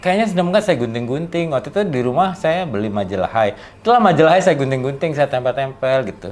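Rushing along at a very fast pace with hardly any pauses, a man with a fairly high pitch makes very wide pitch swings. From Medan, North Sumatra, Indonesia. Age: 50s. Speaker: media founder and journalist. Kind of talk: casual interview chat. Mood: animated, storytelling. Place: studio. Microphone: lapel.

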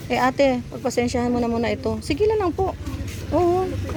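Noticeable background noise fills the recording. Over it, a woman speaks fairly quickly. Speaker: vlogger visiting a poor family. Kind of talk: on-location vlog interview and house tour.

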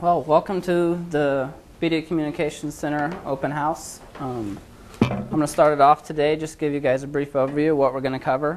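Here a man talks at a moderate pace with fairly even intonation. Light background noise can be heard. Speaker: presenter. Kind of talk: presentation to faculty. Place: classroom. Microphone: lapel.

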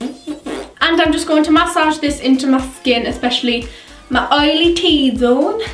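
With faint music behind her and audible room echo, a woman talks at a fairly slow pace in a high pitch with ordinary pitch variation. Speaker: beauty vlogger. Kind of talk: tutorial. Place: home room.

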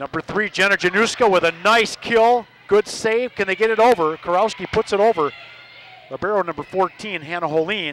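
A man's high-pitched voice at a moderate pace with ordinary pitch variation, dry with no echo, over light background noise. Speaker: sports play-by-play commentator. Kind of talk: live sports commentary. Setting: gymnasium, live broadcast. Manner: upbeat, friendly. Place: hall.

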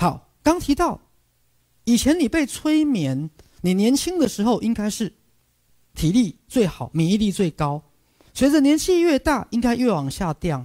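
A man's dark, mellow voice at an extremely high pitch with very wide pitch swings, fairly slow with long, frequent pauses, in a dry, close sound with no echo. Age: middle-aged. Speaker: psychiatrist and spiritual teacher. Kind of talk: public lecture. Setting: lecture hall with audience. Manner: animated.

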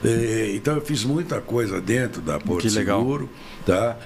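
A man speaks with music in the background. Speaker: podcast guest. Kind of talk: interview answer. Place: studio. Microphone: studio mic.

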